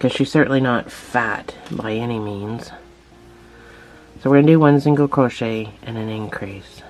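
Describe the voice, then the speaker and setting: A man at medium pitch with ordinary pitch variation, big swings in loudness, long, frequent pauses and a moderate pace, over noticeable background noise. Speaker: crochet tutorial maker. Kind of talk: tutorial.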